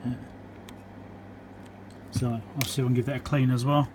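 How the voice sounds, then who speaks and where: A man's voice: medium pitch, steady tone, moderate pace, darkish tone. Casual New Zealand man, faint background hum. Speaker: electronics repairer presenting his work. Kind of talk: casual unscripted repair walkthrough. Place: indoor workbench.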